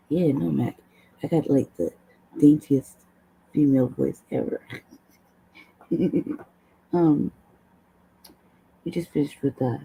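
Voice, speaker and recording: A woman host with a low, hoarse voice, chatting casually at a desk mic, rambling, laughing often and swearing. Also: warm tone, poor audio. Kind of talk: casual livestream talk.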